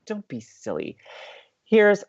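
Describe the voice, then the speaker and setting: A man's voice: sits high, huge pitch swings, slow pace, gravelly, breathy edge, highs cut off, heavily acted. A man playing an upbeat, playful young college radio co-host with an American accent, teasing and eager, in audio drama banter. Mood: playful, cheery. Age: young adult.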